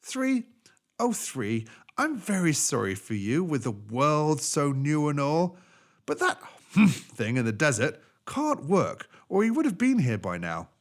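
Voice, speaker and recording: A man's voice: on the high side, wildly swooping pitch, measured pace, pitched above the performer's own voice, heavily acted. A man voicing a storybook master of animals, apologetic but firm. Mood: regretful, firm.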